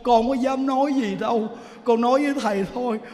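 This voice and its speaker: A man's voice: very high-pitched, fairly even intonation, quick pace, dark tone. A man voicing a poor, timid old woman on a temple trip who frets and pleads, heard in a reverberant hall. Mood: pleading. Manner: lamenting, pleading.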